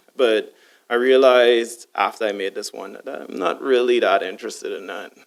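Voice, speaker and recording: Talking at a moderate pace with a Haitian accent, a man shows big swings in loudness. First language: Haitian Creole. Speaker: artist. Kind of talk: artist talk.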